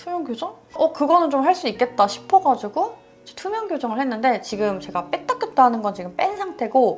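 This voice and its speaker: A woman with a high pitch speaks at a moderate pace in an animated tone, her voice making very wide pitch swings. Noticeable background noise runs under her. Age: 40s. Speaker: beauty YouTuber. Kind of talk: casual vlog talk to camera. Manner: chatty, animated.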